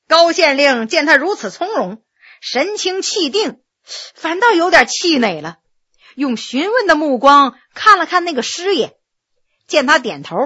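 Female storyteller, high-pitched and expressive, for a dramatic tale narration.

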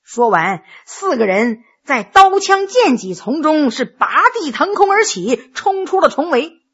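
A woman storyteller tells a pinghua tale with vivid, rhythmic narration. Her voice is high and bright and swings widely. She keeps an unhurried pace. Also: sing-song, dull audio.

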